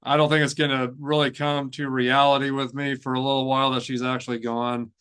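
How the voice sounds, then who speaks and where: A man hosting a music news show, speaking in a casual, off-the-cuff way with halting, rambling delivery and repeated phrases. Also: mid-range voice, flat delivery, fairly bright tone, clear, resonant tone. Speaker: host of a heavy metal news show.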